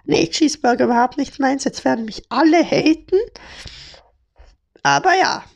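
Young woman from hamburg, joking around on her podcast, bouncy pitch. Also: animated, moderate pace, gravelly. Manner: playful, joking, slang-heavy. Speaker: podcast host. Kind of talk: casual chat.

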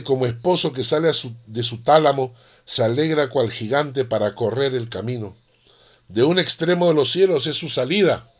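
A middle-aged male pastor preaching a sermon in an animated, emphatic way, full of rhetorical questions. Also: mid-range voice.

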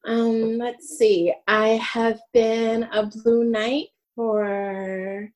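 A woman's voice: fairly high pitch, flat delivery, extremely slow, a little mellow, poor audio. Woman, late 30s, native French speaker, from Brooklyn, casual interview guest, hesitant, laughs a lot. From Brooklyn, USA. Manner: laughs often, hesitant fillers. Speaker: Air Force sergeant, interview guest.

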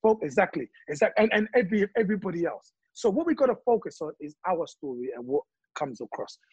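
A man from Congo talking passionately in casual chat, telling his views with animated stories. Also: sits high, fast talker, husky, dry recording, muffled recording.

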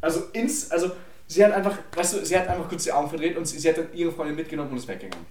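A man's voice: a little high, animated, racing, darkish tone, a little hiss or hum. A drunk young man in casual chat, laughing and teasing as he tells stories about his friend. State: drunk and nauseous. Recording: roomy, mic at a distance.

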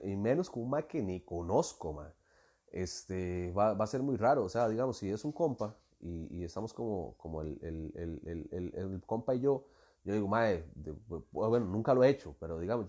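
A young Costa Rican man hosting a podcast, telling stories in a loose, slang-heavy way. His voice sits low and sounds dark and mellow. He acts out the other people's lines as he goes. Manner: slangy, animated retelling with quoted dialogue. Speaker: podcast host. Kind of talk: casual storytelling monologue.

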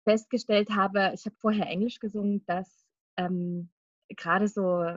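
A woman's voice: medium pitch, fairly even intonation, measured pace, no room sound, lo-fi sound. A woman in her thirties, a guest in a casual podcast interview, talking chattily with frequent laughs and fillers. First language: German. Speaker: guest, singer and children's author.

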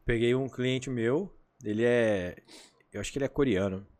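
A man's voice: mid-range voice, normal speed. A man who works as a hypnotherapist, guest on a podcast, telling stories animatedly and acting out the dialogue in casual chat. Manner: animated storyteller, acts out dialogue.

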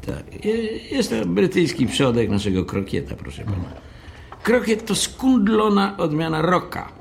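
An actor playing a pedantic, haughty hotel manager who speaks in a formal, fussy, long-winded way in an audio drama. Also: male voice, sits high, huge pitch swings, a little slow, gravelly, slight background noise, exaggerated voice. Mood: proud, formal.

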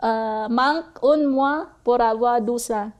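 A woman in her forties from the Philippines with a Filipino accent, whose first language is Bisaya, answering interview questions haltingly and searching for her words. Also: fairly high pitch. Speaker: interview guest. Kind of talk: casual interview.

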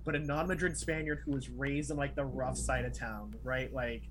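A man's voice: medium pitch, steady tone, normal speed. A man co-hosting a podcast in casual chat, talkative with frequent fillers like "like" and "right?". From Miami, family from Peru. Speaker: podcast co-host. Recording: faint background noise.

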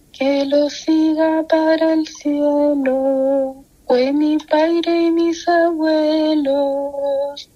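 Woman singing as a high, slow farewell voice. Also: dark tone. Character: departing countrywoman singing a folk farewell. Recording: dull, lo-fi song recording. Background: music.

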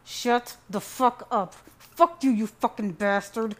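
A woman's voice: fairly low pitch, normal speed, lightly acted. Woman voicing a bitter, hot-tempered young man. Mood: furious. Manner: snarling, curt, defensive. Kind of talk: audiobook character reading.

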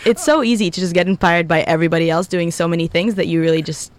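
A woman of about twenty, from Egypt and raised in Abu Dhabi, talking casually as a student guest in a radio interview, relaxed and upbeat with frequent ums. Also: on the low side, fast, no room sound.

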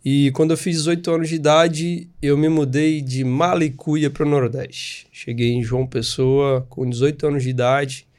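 A man's voice: on the high side, normal speed, few pauses. A man in his thirties from Espírito Santo with a Brazilian Portuguese accent, a podcast guest talking casually and animatedly about his life. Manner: animated, chatty, frequent tag questions. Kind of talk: casual storytelling interview.

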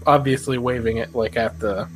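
A man's voice: mid-range voice, fairly even intonation, moderate pace, soft background music, rough recording. A man playing a tabletop game, talking casually and tentatively as he thinks aloud.

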